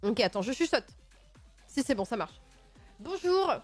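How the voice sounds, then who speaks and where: A woman hosting a livestream in casual chat, playful and expressive with sudden excited outbursts. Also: fairly high pitch, a little slow. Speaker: livestream host. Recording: faint music in the background.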